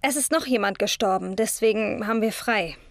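A woman's voice: mid-range voice, fairly quick, dry recording, lightly acted. A woman playing a concerned, bewildered teenage schoolgirl in a horror audio drama, speaking caringly and hesitantly. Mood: subdued.

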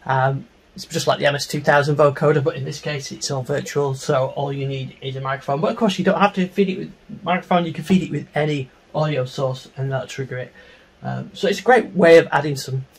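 A middle-aged man giving an informal, unscripted tutorial on music software, explaining step by step into a handheld microphone in a small home studio. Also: on the high side, steady tone, a little fast, vocal fry, slightly rough, poor audio. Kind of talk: informal screen-share tutorial.

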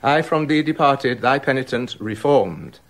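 A man's voice: medium pitch, lively intonation, a little slow, gravelly, no echo. An actor playing a jealous, brooding king in a radio drama, muttering bitter asides and building to angry accusation. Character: jealous brooding king, middle-aged man.

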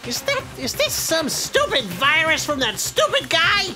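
A man's voice: extremely high pitch, wildly swooping pitch, measured pace, full character voice. A man voicing a gleeful, sadistic robot bear headmaster in a video game, in a gloating, sing-song way. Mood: furious. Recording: game audio over loud music.

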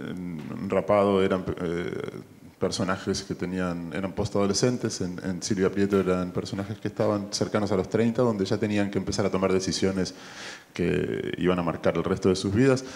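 A man's voice: fairly low pitch, a little mellow. A man in his fifties with an Argentine accent, a film director speaking thoughtfully with many fillers into a handheld mic in a small festival room. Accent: Argentine Spanish. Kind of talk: festival press interview.

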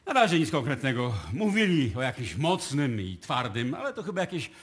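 Bumbling junior policeman, raspy voice, lively pitch, halting radio play delivery. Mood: dutiful. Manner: halting, stumbling. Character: eager, bumbling junior policeman reporting to his boss. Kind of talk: live radio play acting.

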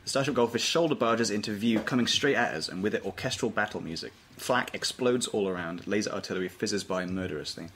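A man's voice: lowish voice, fast, hardly any pauses, a bit bright. A man reading stage directions as scripted narration at an informal table read. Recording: faintly noisy table read recording.

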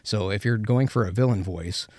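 A man's voice: fairly low pitch, moderate pace, a little mellow, dry recording. A man in his thirties giving informal voice acting instruction in a conversational way on a studio mic. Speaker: professional voice actor giving tips. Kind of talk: informal instructional talk to camera. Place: small padded vocal booth, indoors. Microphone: studio condenser with pop filter.

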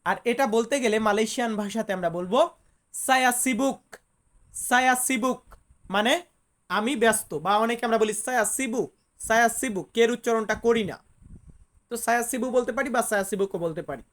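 Patient woman teaching phrases. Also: fairly high pitch. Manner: patient, repeats each phrase slowly to drill it. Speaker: language teacher. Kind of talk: online language lesson.

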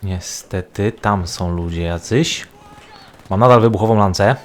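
A man giving casual, rambling gameplay commentary, thinking out loud as he plays. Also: fairly low pitch, measured pace, slight background noise. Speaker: gaming video host.

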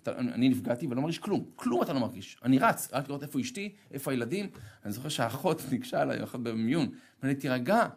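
A rabbi giving a sermon, telling a personal story with humor and acting out the voices of others. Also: male voice, husky. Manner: animated, humorous, self-deprecating storytelling; acts out dialogue with sharp pitch jumps.

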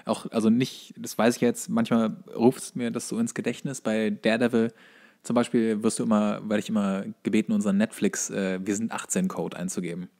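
Man with a creaky voice, podcast banter. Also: lowish voice, little pitch movement, fairly quick, a little mellow. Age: 30s. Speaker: podcast co-host. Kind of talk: casual, rambling comic chat.

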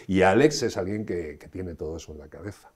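Deep-voiced man, expansive and animated. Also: a little fast. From Spain. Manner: expansive, animated storyteller with frequent restarts. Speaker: actor, guest. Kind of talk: conversational interview.

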